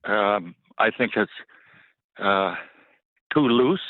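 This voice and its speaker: A man calling in to a radio show, telling his story in a halting, emotional way with many restarts. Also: on the low side, expressive, no room sound. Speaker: caller. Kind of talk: call-in storytelling. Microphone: telephone. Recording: tinny phone line.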